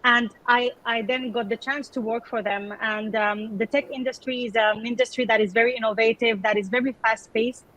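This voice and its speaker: Seorang wanita yang berasal dari Sudan dan dibesarkan di Kanada, bercerita dengan santai sebagai panelis lewat panggilan video. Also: female voice, on the high side, fairly even intonation, normal speed, hardly any pauses, fairly bright tone, rough recording. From Sudan, raised in Canada. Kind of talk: conversational panel talk.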